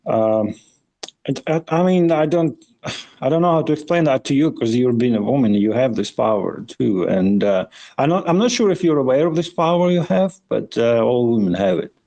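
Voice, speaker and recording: Mellow man, halting and rambling. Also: medium pitch, animated, lo-fi sound. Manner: halting, hesitant, repeats words. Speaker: podcast co-host. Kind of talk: casual rambling chat.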